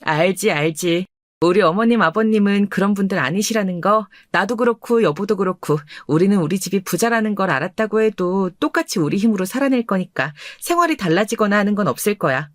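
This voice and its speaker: A woman voicing a calm, confident and teasing wealthy wife in a dramatized radio story. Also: medium pitch, brisk, dry recording, clean studio sound, lightly acted. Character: rich, self-assured young wife.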